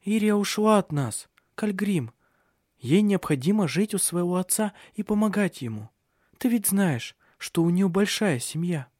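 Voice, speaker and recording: A man reading a story aloud, voicing a soft-spoken middle-aged mother of a household. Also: high voice, big pitch swings, normal speed, dry recording, studio quality, voice pushed up. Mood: soothing. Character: gentle middle-aged mother, turning fierce.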